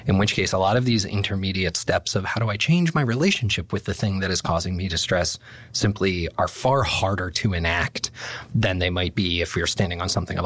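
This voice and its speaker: Lowish guy hosting a podcast, talks it through, dry close sound. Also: a bit bright, husky, no echo. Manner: thoughtful, explanatory. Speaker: podcast host. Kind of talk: casual discussion.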